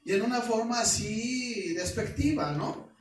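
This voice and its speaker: Mexican pastor preaching in an echoey hall. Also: male voice, extremely high pitch, measured pace. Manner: lively storytelling with colloquial asides and rhetorical questions. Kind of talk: sermon. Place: church hall. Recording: echoey church hall, mic at a distance.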